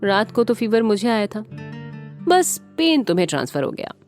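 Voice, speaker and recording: A woman's voice: medium pitch, very animated, normal speed, a little mellow, soft background music, pitched above the performer's own voice, lightly acted. A woman voicing a playful, childish young bride of twenty who talks in a bratty, whiny way. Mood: teasing.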